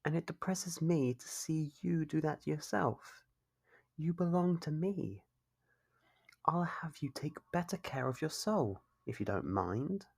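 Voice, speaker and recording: The voice actor delivers a full character voice as a possessive, scolding stalker in an ASMR roleplay, husky and gravelly at middling pitch with lively intonation and a slightly mellow tone. Smug and doting, the captor coaxes, chides and draws out teasing questions.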